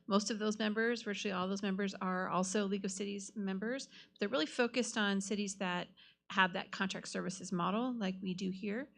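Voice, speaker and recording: Female city official briefing a council: medium pitch, gravelly edge, businesslike and explanatory. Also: steady tone, a little fast, a bit bright. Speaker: city staff official presenting a report. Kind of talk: semi-formal staff briefing. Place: council meeting room.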